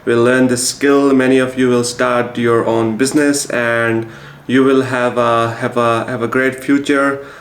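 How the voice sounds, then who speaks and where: A man with a Pakistani accent talks casually to the camera as a video host, in a halting way with repeated words. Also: mid-range voice, level tone. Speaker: YouTube host and Amazon business instructor. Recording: echoey room with faint noise.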